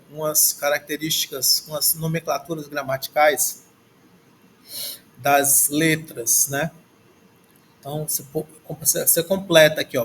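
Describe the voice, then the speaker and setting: A fairly high-pitched, fairly bright man's voice with a Brazilian Portuguese accent comes through over slight background noise. He gives a slow, halting lesson from a textbook at a desk, captured by screen recording, saying words aloud repeatedly as he works out their pronunciation.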